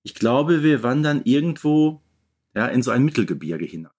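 A man speaking on a podcast in a casual, analytical way, measured and a little hesitant as he works through his thoughts. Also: medium pitch, big pitch swings, darkish tone. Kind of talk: casual podcast discussion of children's audio dramas.

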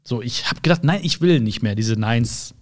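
A man's voice: mid-range voice, animated, moderate pace. A young man in an earnest, casual motivational talk, addressing the listener directly with rhetorical questions and frequent fillers. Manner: earnest, searching, many fillers and restarts. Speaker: personal development speaker.

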